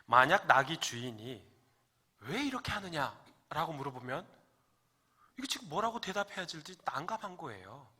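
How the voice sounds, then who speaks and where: A male pastor delivers a Sunday sermon in a church sanctuary with a bright, forceful tone. He talks in a loose, conversational way, tossing questions to the congregation and slipping in jokes. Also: on the high side.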